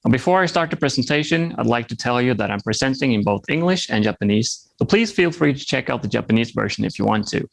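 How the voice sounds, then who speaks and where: A man's voice: mid-range voice, animated, fast, creaky, hardly any pauses. A man in his thirties from Norway, whose first language is Norwegian, giving a friendly conference talk with light humor. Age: 30s. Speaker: software developer presenting. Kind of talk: conference presentation.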